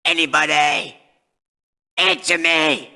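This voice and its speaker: A man playing an irritable armed thug in a video game, with a raspy, gravelly voice. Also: fairly high pitch, level tone, slow pace, bright, forceful tone, exaggerated voice. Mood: calling, impatient.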